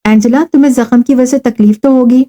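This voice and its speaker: Rabia, a woman reading a gentle modest girl. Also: high-pitched, fairly even intonation, lightly acted. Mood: earnest. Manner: soft, earnest.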